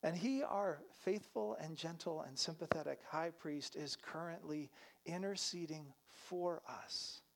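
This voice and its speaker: A male pastor delivers a sermon in an earnest tone and keeps asking the listeners searching questions. His voice is high, with a gravelly, creaky grain that stays steady throughout. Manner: earnest, asks reflective questions.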